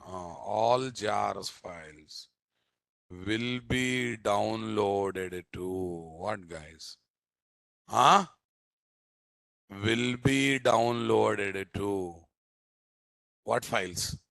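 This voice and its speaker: This software instructor talks very slowly in a fairly low, creaky voice, recorded dry. He has a Telugu Indian accent and runs a live programming class with emphatic delivery, repeated phrases, and quick tag questions aimed at his students.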